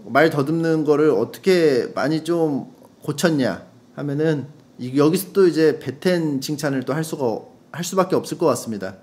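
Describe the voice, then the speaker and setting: A man hosting a casual podcast, chatting and answering listener letters, rambling and self-deprecating, with sudden loud emphasis. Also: medium pitch. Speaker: radio-style podcast host reading listener letters. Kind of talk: casual chat.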